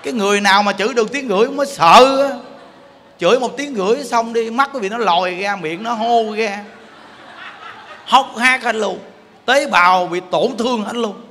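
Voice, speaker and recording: A man with a Southern Vietnamese accent giving a Buddhist sermon, animated and joking as he puts questions to his listeners. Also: high-pitched, normal speed, big-room sound, slight background noise. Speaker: Buddhist monk preaching.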